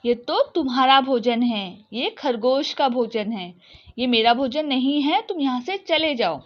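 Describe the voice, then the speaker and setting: A grumpy, hungry male lion from a storybook, voiced by a woman teacher. He refuses every offer and growls his demands, speaking slowly in a high voice. The recording is dull and lo-fi. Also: animated.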